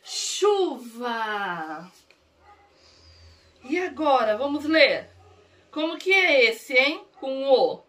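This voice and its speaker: Slow, lively Brazilian woman teacher. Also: high-pitched. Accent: Brazilian Portuguese. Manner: slow, drawn-out syllable-by-syllable reading, coaxing. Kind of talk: early literacy lesson for young children.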